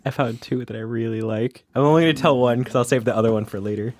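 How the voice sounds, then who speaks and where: A man's voice: medium pitch, fairly even intonation, quick pace, slight background noise. A man co-hosting a live podcast, joking around and telling puns in casual chat. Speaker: podcast co-host.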